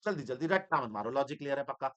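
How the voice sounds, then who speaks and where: A man teaching accounting in an energetic, teasing lecture style, switching between Hindi and English. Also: mid-range voice, very fast, lo-fi sound. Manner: animated, teasing, mixes Hindi with English terms.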